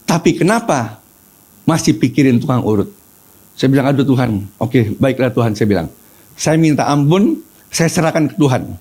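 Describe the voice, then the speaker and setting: A man's voice: a little high, warm tone. A middle-aged man preaching a sermon, telling personal stories and acting out quoted voices as he addresses the congregation. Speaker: pastor.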